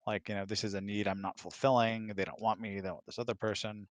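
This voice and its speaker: Guy with a lowish voice just chatting informally, answering questions, dry sound. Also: level tone, quick pace, no echo. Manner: informal, conversational. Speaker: co-host, husband of the host. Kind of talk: casual chat answering questions.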